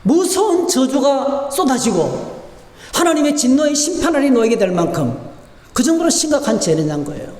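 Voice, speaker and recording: A man's voice: very high-pitched, very animated, moderate pace, darkish tone. A male pastor preaching a sermon, telling stories and asking the congregation rhetorical questions, in a church. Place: church sanctuary. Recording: echoey church hall with long reverb.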